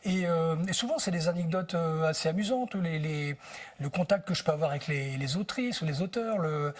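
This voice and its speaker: A man's voice: a little high, fairly quick. A man being interviewed as a translator on TV, telling anecdotes in a thoughtful way and searching for words. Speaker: book translator, interview guest.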